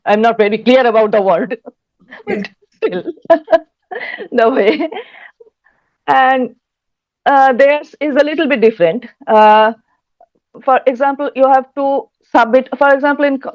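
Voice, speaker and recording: Bengali indian lady, kinda high voice, stops and hunts for words while explaining, muffled lo-fi audio. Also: darkish tone. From West Bengal, India. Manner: halting, searching for words. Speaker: interview guest, folktale researcher and writer. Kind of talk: explanatory interview talk. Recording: dull, lo-fi audio.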